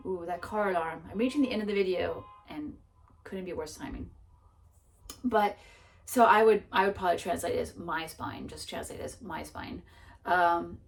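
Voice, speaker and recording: A woman's voice: lowish voice, vocal fry, distant mic, a little hiss or hum. Chatty self-mocking woman book vlogger. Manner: chatty and self-mocking, with many restarts and laughs. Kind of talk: casual chat.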